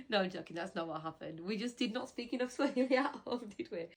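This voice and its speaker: A woman's voice: mid-range voice, lively intonation, a little fast. A woman chatting casually as a parent vlogger answering viewer questions, teasing and laughing easily. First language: English. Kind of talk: casual chat.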